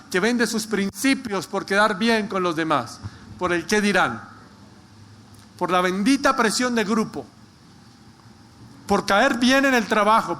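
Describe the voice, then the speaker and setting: High, bright-voiced male pastor preaching. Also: a little hiss or hum. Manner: preaches with emphatic repetition, slowing for scripture. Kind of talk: sermon.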